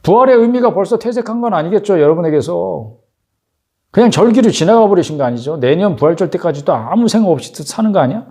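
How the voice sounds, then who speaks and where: A man's voice: high-pitched, lively intonation, fast, mellow. A man preaching a sermon as pastor, exhorting his congregation with rhetorical questions.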